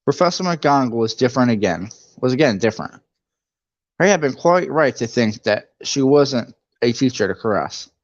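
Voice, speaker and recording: A man's voice: medium pitch, animated, moderate pace, no echo, dull audio. A man reading a book aloud for a live read-along, chatty, with jokey asides.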